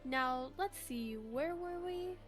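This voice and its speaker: A woman's voice: high-pitched, animated, takes it slowly, a bit bright, faint music behind, full character voice. A woman voicing a perky young female rookie lawyer, feisty and easily flustered, in a video game. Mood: indignant, feisty.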